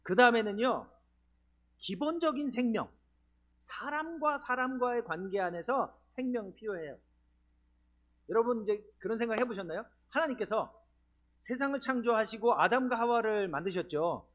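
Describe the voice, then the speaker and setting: A man's voice: extremely high pitch, lively intonation, normal speed, fairly bright tone. A male pastor from the region preaching at a church healing seminar, asking the congregation questions as he goes. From Chungcheong region, Korea. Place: church sanctuary.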